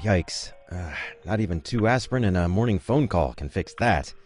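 An actor playing a glib, breezy, corny hospital doctor in a comedic audio sketch. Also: male voice, low voice, animated, normal speed, darkish tone, faint music behind. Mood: earnest, upbeat.

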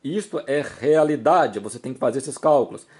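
A man with a Brazilian accent and a medium-pitched voice talks as the host of an advice video. He explains informally through examples, repeating key points with emphasis and often checking in with short tags. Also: lively intonation, normal speed, a little mellow. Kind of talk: informal instructional talk to camera, explaining with examples.

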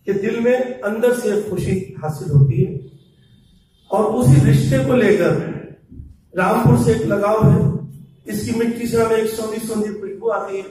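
A middle-aged man delivers an emphatic, ornate political speech at a press conference, his voice pitched high yet dark in tone. He speaks into a handheld microphone, but the very echoey hall and the distance from the camera make him sound far off, with a faint murmur behind. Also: a little hiss or hum. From India. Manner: emphatic, fervent, Urdu-flavored oratory. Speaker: party leader at a press conference. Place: crowded indoor hall, people standing around. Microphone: handheld microphone, filmed by far camera.

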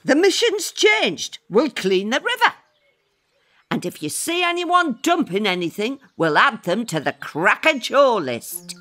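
Woman as a bossy, very animated cartoon crew leader. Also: a little high, a little slow, exaggerated voice. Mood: brisk, determined. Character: bossy, no-nonsense woman leading a rowing crew. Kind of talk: comedy cartoon voice acting.

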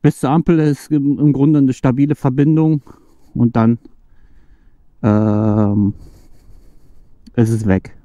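A man's voice: mid-range voice, takes it slowly, long pauses, warm tone, dry recording. A man hosting his own channel, testing an intercom outdoors on the street and chatting with his partner while riding. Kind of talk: casual on-the-road test commentary.

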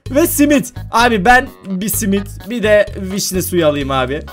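A young man narrating his gameplay in a very high voice that leaps all over the place. He is playful and laughs easily, with faint game music running underneath. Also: very animated, moderate pace. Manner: playful, shouts and laughs when startled. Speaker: gaming video creator. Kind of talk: excited gameplay commentary.

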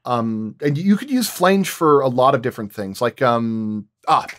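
A man with a mid-pitched voice chats casually as a sound designer guest. He explains step by step, haltingly, working out his examples as he speaks. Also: expressive, a bit bright. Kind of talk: casual roundtable talk.

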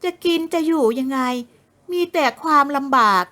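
A woman's voice: normal speed, pushed and bright. A woman voicing a spoiled, jealous young woman who talks in a whiny, demanding way in a novel reading. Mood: sweet pushy. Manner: whiny, high-pitched, sulky. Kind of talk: audiobook character voice.

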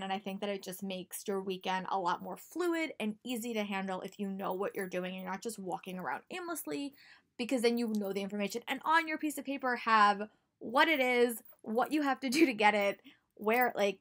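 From a small room at home, a young adult American woman who makes book videos chats casually, offering advice straight to camera. Her voice is medium-pitched and fairly bright, and she stresses points emphatically by repeating words.

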